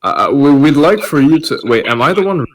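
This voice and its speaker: A man's voice: on the high side, big pitch swings, a little fast, low-quality recording. A man bantering casually as a podcast host, wry and wordy in a teasing way.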